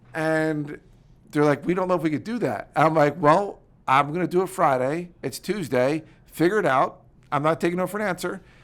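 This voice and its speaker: Speaking at a fairly quick pace with a Philadelphia accent, a man has a fairly high pitch and ordinary pitch variation, heard in a very clean recording with a silent background. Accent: Northeast Philadelphia. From Philadelphia (Northeast Philly), US. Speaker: war veteran and former politician. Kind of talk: podcast interview. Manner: fast; animated.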